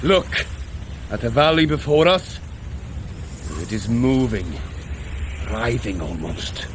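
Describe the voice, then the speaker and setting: An actor playing a hearty, earnest, slightly dim thunder god, speaking in a grand, formal manner in an audio adventure. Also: male voice, mid-range voice, big pitch swings, slow pace, background noise. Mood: commanding, grave. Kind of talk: dramatised audio adventure for runners.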